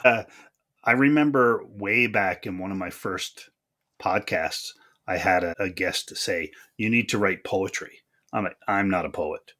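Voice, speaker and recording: Low-voiced man hosting a casual interview. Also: measured pace, sharp tone. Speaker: podcast host.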